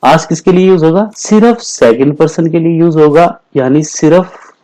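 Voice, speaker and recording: A man teaching Spanish in a classroom-style lesson, explaining patiently, repeating phrases, and saying the Spanish examples slowly and carefully. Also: on the high side, warm tone, low-quality recording. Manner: explains patiently, repeats phrases, keeps asking "theek hai na".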